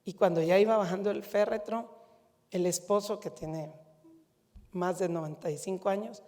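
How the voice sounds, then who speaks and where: A woman's voice: medium pitch, steady tone, normal speed, a little mellow. Guatemalan woman in a reverberant lecture hall. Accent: Guatemalan Spanish. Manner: conversational storytelling, rhetorical questions. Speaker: physician lecturing medical students. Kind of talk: conference talk.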